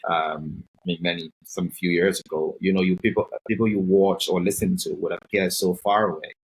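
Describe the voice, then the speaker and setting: A man hosts a podcast interview, asking long, friendly questions that wander and fill pauses with ums. His voice is very low and husky. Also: steady tone, rough recording. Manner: friendly, rambling, many fillers. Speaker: podcast host.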